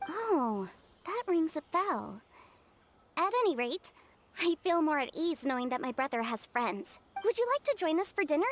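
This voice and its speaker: High-voiced, caring young sister. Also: female voice, sing-song, normal speed, slight background noise. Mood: friendly. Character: caring, brisk young sister, bright and protective. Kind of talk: anime-style video game voice acting.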